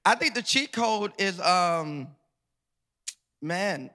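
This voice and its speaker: A man's voice: sits high, expressive, takes it slowly, bright, forceful tone. A middle-aged man, telling a playful, laughing story to a live audience as a guest author. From Georgia, USA.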